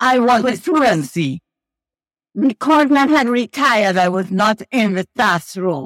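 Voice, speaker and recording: Recorded dry and close with no echo, a woman's pitch swings very widely while her loudness stays very even. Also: fairly high pitch for a woman, fairly slow pace. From Guyana. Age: 80s. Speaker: retired French teacher and Toastmaster. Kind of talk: casual interview.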